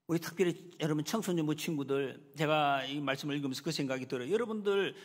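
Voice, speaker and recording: A man's voice: a little high, quick pace. A man preaching a Sunday sermon as pastor, who acts out the quoted lines with a raised voice and speaks to the young people in the congregation. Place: church sanctuary. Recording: long church reverb.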